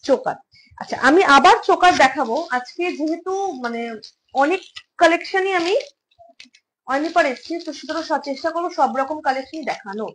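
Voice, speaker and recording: High-voiced woman chatting while selling jewellery. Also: expressive, fairly quick, slight background noise, rough recording. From India. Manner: chatty, repeats phrases, mixes in English words. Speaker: jewellery seller. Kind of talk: casual live product showcase.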